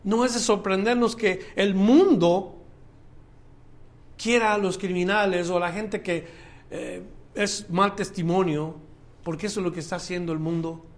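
Male pastor, high-pitched, emphatic sermon delivery with loud peaks and soft drops. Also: fairly even intonation, measured pace. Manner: preaching with rising emphatic bursts and quiet drops.

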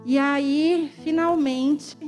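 A woman with a high, bright-pitched voice tells her personal testimony in a church. She speaks emotionally, laughs often and acts out the conversations she retells, with faint music underneath. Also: steady tone, very slow, long reverb tail. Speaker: church member giving testimony.

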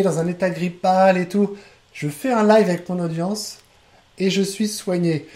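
Guy running a live webinar, warm mellow voice, chatty and enthusiastic, lots of restarts. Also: high voice. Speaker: online trainer and webinar host.

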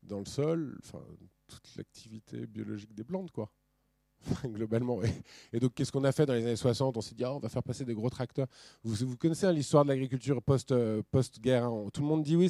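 Guy giving a talk with slides, mellow voice, dry close sound, lots of euh and restarts. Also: mid-range voice, brisk, dry recording. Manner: lively, many restarts and fillers. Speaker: speaker.

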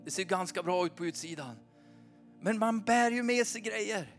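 A man in his forties preaching an informal, animated sermon at a church meeting, often asking his listeners "va?". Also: high-pitched, soft background music. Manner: chatty, animated, keeps asking the crowd "va?".

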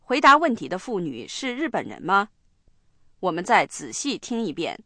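Woman hosting a slow, careful language lesson. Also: mid-range voice, wildly swooping pitch, fairly bright tone. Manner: slow, deliberate explaining and spelling. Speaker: language program host. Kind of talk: bilingual lesson narration.

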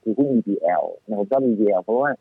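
A man giving casual, animated stock-market talk as a guest analyst, with many restarts and fillers. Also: lowish voice, quick pace, husky, dry recording. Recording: tinny phone-line audio, faint music.

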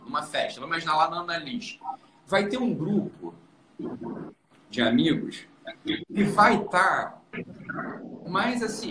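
A man hosting a casual chat, explaining personality temperaments to a young guest in an animated, teasing way. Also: high-pitched. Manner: animated and teasing, often tags "entendeu?". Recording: roomy room with clear background noise.

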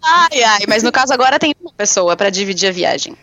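A woman guest chatting casually on a podcast, cheerful, laughing often and sharing her news with excitement. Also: on the high side, fast, no echo. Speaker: guest, touring cyclist. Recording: dry, dull lo-fi sound.

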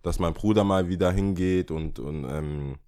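A young man co-hosting a podcast, telling a story in casual chat and acting out the quotes with lively jumps in his voice. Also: low voice, normal speed. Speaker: podcast co-host.

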